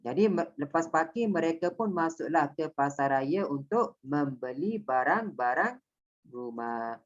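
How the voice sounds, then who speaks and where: A primary school Malay teacher with a Malaysian Malay accent gives an online class lesson, going through it step by step and making sure her pupils follow. Her voice is deep and animated, her pace measured, and the audio sounds dull.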